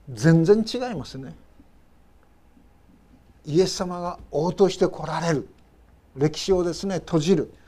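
A male pastor preaching a Sunday sermon in a storytelling way, acting out the cries of the people he tells about and dropping to soft low asides at the ends of phrases.

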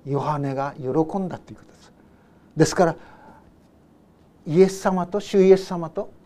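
A male pastor giving a Sunday sermon, reading Bible verses and explaining them in an unhurried way with soft asides. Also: on the high side. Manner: reads scripture verses aloud and then paraphrases them. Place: church service.

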